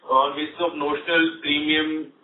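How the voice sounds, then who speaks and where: A man's voice: on the high side, flat delivery, normal speed, slight background noise. A man, speaking hesitantly as a company representative on a call. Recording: echoey, distant, narrow phone line.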